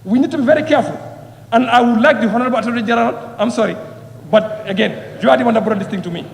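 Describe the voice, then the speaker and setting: Man, high-pitched, passionate parliament speech, echoey hall with long reverb. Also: very fast, vocal fry, a little hiss or hum. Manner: impassioned, repeats phrases, rhetorical questions. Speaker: member of parliament. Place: parliament chamber.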